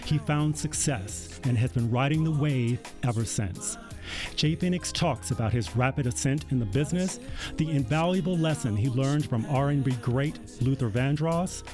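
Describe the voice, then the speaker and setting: A man hosting a radio interview show, reading a measured introduction before chatting with his guest. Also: mid-range voice. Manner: measured, reads credits. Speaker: radio host. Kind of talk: scripted intro then interview. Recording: music bed behind.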